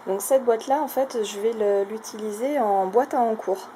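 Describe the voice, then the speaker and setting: A woman's voice: fairly high pitch, moderate pace. A woman casually showing a craft shopping haul, talking in a chatty, hesitant way with many fillers. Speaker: craft vlogger. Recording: noisy home recording.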